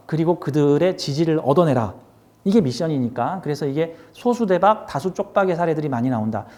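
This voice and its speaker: A man with a high voice lectures his class on fortune-telling. He keeps it lively, asking questions and answering them himself. He slips between polite and casual speech as he explains.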